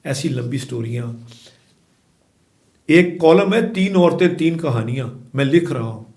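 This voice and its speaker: A middle-aged man from Pakistan, a former chamber of commerce president, giving emphatic interview answers that swing from forceful outbursts to low, quiet remarks. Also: expressive.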